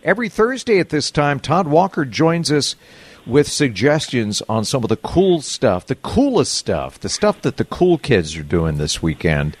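A man hosting a radio show, talking casually in halting, drawn-out phrases. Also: medium pitch, sing-song, no room sound. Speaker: radio host.

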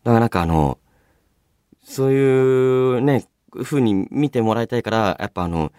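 A man hosting a casual solo radio show, chatting and reading out listener mail in a polite but chatty, animated way. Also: medium pitch, moderate pace, smooth, no room sound, clean studio sound. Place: radio studio, dry sound.

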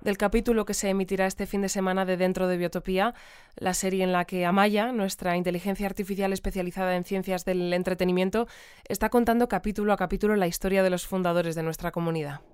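Una actriz interpreta en una ficción sonora a una presentadora de radio ágil que intenta sortear interrupciones con cortesía. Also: female voice, medium pitch, steady tone, fast, a little mellow, clear, resonant tone, natural voice. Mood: polite, brisk. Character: brisk female radio presenter smoothing over interruptions. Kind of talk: audio fiction acting of live presenting.

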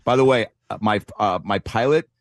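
A man's voice: on the low side, normal speed, no room sound, studio quality. Rambling man telling comic stories. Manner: rambling storyteller with fillers and self-deprecating jokes. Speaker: comedian guest. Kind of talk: casual anecdotal chat.

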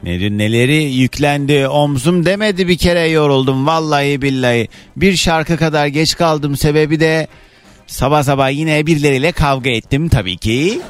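A man hosting a morning radio show, telling an indignant story in an animated, chatty way full of sound words. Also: a little high, moderate pace, soft background music. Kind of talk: casual monologue.

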